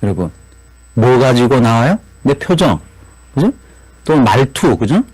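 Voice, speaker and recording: Unhurried, with a breathy edge to his mid-range voice, a man lectures a business seminar audience. He is animated, asking frequent rhetorical questions and adding "그죠?" again and again; the recording is dry and of low quality.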